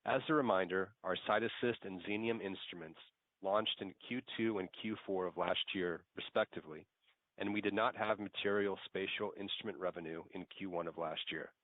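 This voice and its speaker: A man working as a finance executive reads a scripted earnings presentation in a formal, measured manner. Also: low voice. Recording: tinny phone-line audio, very dry.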